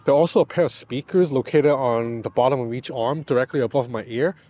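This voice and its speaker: A man's voice: mid-range voice, a little fast, a little mellow. Man reviewing gadgets outdoors. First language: Cantonese. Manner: conversational, explanatory, self-deprecating. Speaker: tech reviewer. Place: outdoors in a city park. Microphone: clip-on lapel mic.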